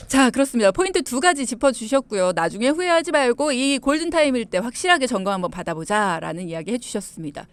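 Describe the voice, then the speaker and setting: A woman's voice: a little high, sing-song, quick pace, few pauses, smooth, dry recording. A woman hosting a radio talk show on money, chatty and teasing her guests. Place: radio studio.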